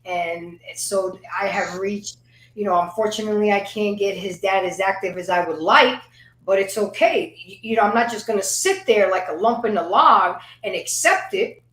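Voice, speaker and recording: A woman's voice: medium pitch, moderate pace, a bit bright, echoey room, poor audio. A woman on a casual panel chat who talks emphatically, swears freely and stumbles over repeated words when she gets worked up.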